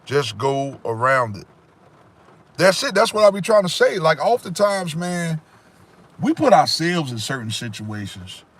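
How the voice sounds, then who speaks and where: A man's voice: on the high side, very animated, measured pace, a bit bright. A man hosting a casual livestream, giving emphatic, preachy life advice straight to his viewers. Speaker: livestream host. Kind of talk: casual motivational livestream talk. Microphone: phone or webcam in front of him.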